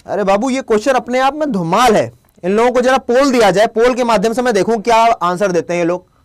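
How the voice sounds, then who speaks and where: A young man with a Hindi accent teaches a live online English class built around quiz questions. His voice is very high and he talks fast, playfully scolding the people commenting in the chat.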